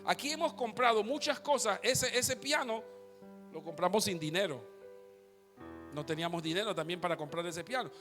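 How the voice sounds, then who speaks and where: Male pastor, live sermon; animated, storytelling delivery; reverberant sanctuary. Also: high-pitched, moderate pace. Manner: animated preaching, storytelling to the congregation. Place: church sanctuary. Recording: long hall reverb, faint guitar behind.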